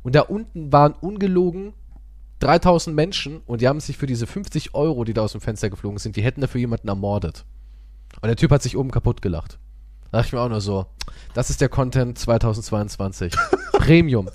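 A man's voice: medium pitch, fast talker, no room sound. A man hosting a casual podcast, telling stories theatrically and teasing his co-host with sarcasm. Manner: animated, theatrical storytelling.

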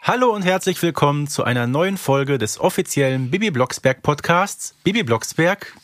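A man's voice: fairly high pitch, lively intonation, moderate pace, background noise. A man co-hosting a podcast in casual conversation, speaking close to the microphone. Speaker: podcast co-host.

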